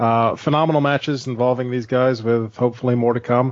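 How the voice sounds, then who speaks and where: Here is a man with a plain, everyday voice at medium pitch. He talks at a fairly quick pace with fairly even intonation. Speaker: wrestling podcast guest. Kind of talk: casual banter.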